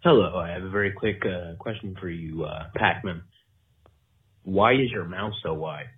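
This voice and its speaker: Deep-voiced man on a tinny voicemail. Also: normal speed. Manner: mocking, mock-polite and rambling, with many fillers. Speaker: voicemail caller.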